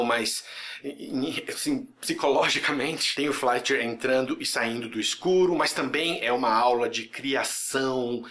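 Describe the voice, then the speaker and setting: A man in a medium voice talking through a film review. He is casual and chatty, and he keeps slipping into playful impressions of people talking. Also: medium pitch. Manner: lively, jokey, acts out quick voices and mock dialogue. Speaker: film critic.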